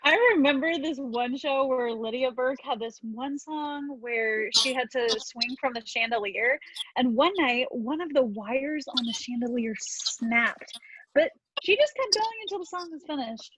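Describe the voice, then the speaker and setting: Woman as a high-voiced, admiring bar gossip. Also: unhurried, fairly bright tone, rough recording. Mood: admiring, chatty. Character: adoring tipsy actress gossiping with gal pals at a bar. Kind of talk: comedy sketch reading, casual storytelling.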